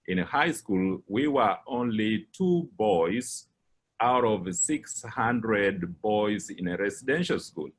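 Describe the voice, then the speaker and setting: A middle-aged man with a Kenyan English accent, giving a personal account as a guest speaker, measured and pausing with frequent fillers. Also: on the low side. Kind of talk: personal account in a lecture talk.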